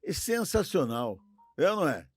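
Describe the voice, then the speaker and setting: A man's voice: on the high side, sing-song, moderate pace, dry recording, soft background music. An older man, chatting casually as a co-host and reminiscing in an effusive, exclamatory way. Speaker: podcast co-host.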